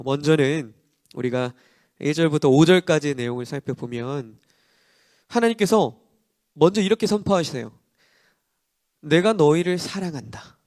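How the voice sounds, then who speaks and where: High-voiced male pastor preaching. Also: darkish tone, no room sound, clean studio sound. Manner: explanatory, with rhetorical questions to the congregation; acts out quoted lines dramatically. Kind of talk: morning sermon.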